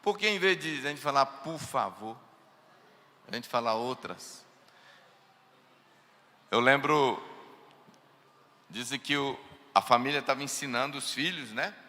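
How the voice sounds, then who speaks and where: Animated pastor in an echoing hall. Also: male voice, medium pitch, measured pace, pauses often. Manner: animated, mimics family members in quoted voices, asks the congregation questions. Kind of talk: sermon. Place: church hall. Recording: long echoing church hall.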